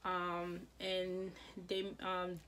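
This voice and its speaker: A woman's voice: fairly low pitch, monotone, very slow, slight background noise. A woman vlogger who stutters, repeating sounds and words, talking casually to camera with many fillers. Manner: many fillers, soft-spoken.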